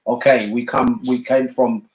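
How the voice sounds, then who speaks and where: A man's voice: mid-range voice, level tone, a little slow, a little mellow, echoey room, rough recording. An older man with a British accent, talking earnestly and emphatically in a casual family discussion, often repeating himself for emphasis. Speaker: bishop and family talk host.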